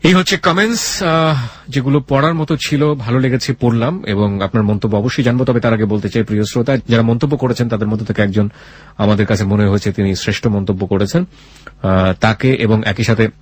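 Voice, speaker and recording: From a radio studio, a Bangladeshi-accented man tells stories and conducts interviews as the show's host. His mid-range voice is steady and brisk with a breathy edge, and he speaks earnestly and emphatically, using dramatic phrasing.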